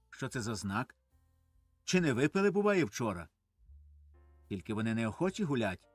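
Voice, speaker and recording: A man's voice: mid-range voice, breathy edge, no echo, voice pushed down. A man reading the part of a farmer's son who tells things plainly and matter-of-factly, in an audiobook of a stage play.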